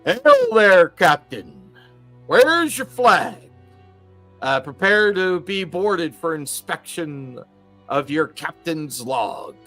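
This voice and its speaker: An officious turtle harbor inspector, put on by a man running a tabletop game, hails a ship through a metal funnel, so his voice comes out tinny and metallic. He calls out slow and drawn out, pitched a little high, in a lively, swinging tone. Faint music plays underneath. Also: full character voice. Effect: tinny metallic echo through a metal funnel. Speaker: game master.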